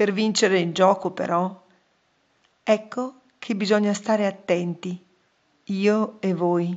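Very slow, playful speech from a woman at medium pitch, monotone and flat, broken by long, frequent pauses. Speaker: poet. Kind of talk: poetry reading, spoken word. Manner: intimate, playful, tender; rhythmic, building to a joyful climax.

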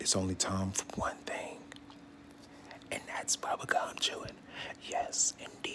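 A man is whispering at a fairly slow pace. His speech has long, frequent pauses. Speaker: ASMR creator. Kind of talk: casual talk to camera. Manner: whispered. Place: home room. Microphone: phone near.

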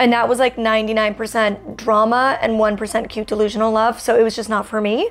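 A woman is speaking. Her pace is fairly quick. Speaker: video creator. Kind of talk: casual vlog chat. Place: home room. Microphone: lapel.

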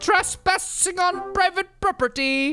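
Faint music plays behind a put-on character voice pitched extremely high. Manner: mocking, exaggerated.

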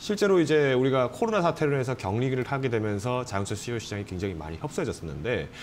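A man at a very fast pace, with very wide pitch swings and light background noise. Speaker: guest. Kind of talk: commentary. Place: studio.

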